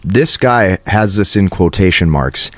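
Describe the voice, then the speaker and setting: A man's voice: deep voice, lively intonation, measured pace, no room sound. A man speaking as a coach in an emphatic, instructive motivational monologue, often checking in with "okay". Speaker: host, dating advice coach. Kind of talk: motivational advice monologue to camera.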